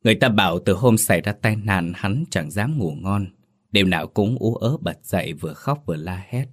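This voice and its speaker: A man with a very low voice narrates a sorrowful village ghost story. His delivery is solemn and mournful, paced like a scripted audiobook. The tone stays heavy and grave throughout.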